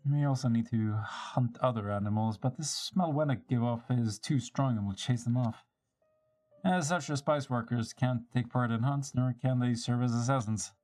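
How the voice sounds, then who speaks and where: Speaking at normal speed in a medium-pitched, slightly mellow voice, a man live streams a dramatic reading of video game dialogue. He plays the characters with different voices, now and then stumbles and rereads, and music sits behind him.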